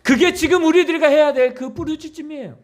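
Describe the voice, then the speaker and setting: A man's voice: very high-pitched, fast talker. A man preaching a Sunday sermon as pastor, pleading and emphatic, often asking his congregation questions. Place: church.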